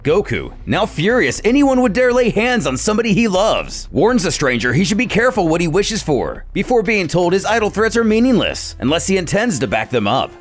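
A man's voice: high-pitched, big pitch swings, fairly quick, few pauses, soft background music. A man narrating a scripted story recap in a dramatic storytelling style.

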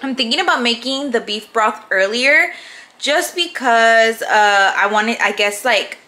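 Bright-voiced young woman vlogging. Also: on the high side, animated, measured pace. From Houston, Texas. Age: young adult. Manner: chatty, informal slang. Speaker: vlog host. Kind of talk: casual vlog chat while cooking. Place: home kitchen, indoors. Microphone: handheld or counter-set camera.

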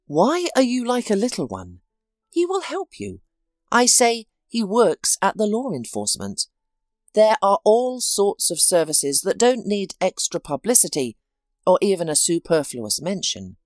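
A woman voicing a steady, helpful male friend, speaking calmly and reassuringly in a storybook reading. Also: mid-range voice, a little slow, no echo, clean studio sound, soft background music. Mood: matter-of-fact.

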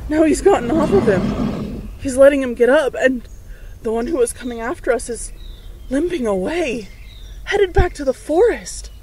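A woman playing an excitable young daughter in a radio drama, exclaiming dramatically. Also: sits high, normal speed, slight background noise. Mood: amazed. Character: excitable young daughter, frightened and awed in the woods.

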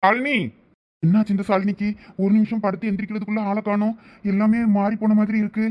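A man's voice: high-pitched, monotone, fast, muffled recording, slight background noise, close to an everyday voice. A man playing a jealous, devoted young husband in a village drama, with emotional delivery. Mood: panicked calling. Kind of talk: village web-series acting.

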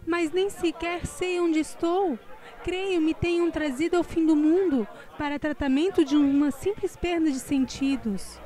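A woman's voice: very high-pitched, measured pace, warm tone, a faint crowd. A woman playing a distressed, haughty mother's spirit in a radio drama, pleading indignantly in formal language. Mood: anxious pleading.

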